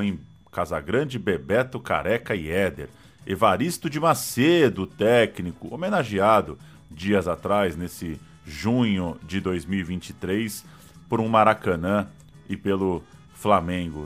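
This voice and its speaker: Brazilian man, fairly deep pitch, chatty football storytelling, co-host, soft music bed. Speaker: football history show co-host.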